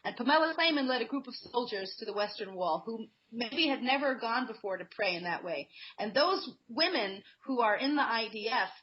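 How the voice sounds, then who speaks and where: A woman's voice: fairly high pitch, lively intonation, fairly quick, few pauses, a little hiss or hum. Earnest woman telling stories on radio. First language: not Hebrew. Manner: earnest, conversational, with anecdotes. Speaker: guest. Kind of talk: radio interview, personal storytelling. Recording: muffled lo-fi radio sound.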